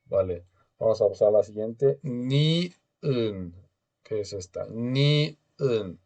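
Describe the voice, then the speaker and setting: A man's voice: on the low side, lively intonation, slow pace, mellow. A man teaching a beginner language class online over a video call, patiently drilling pronunciation and having students repeat after him.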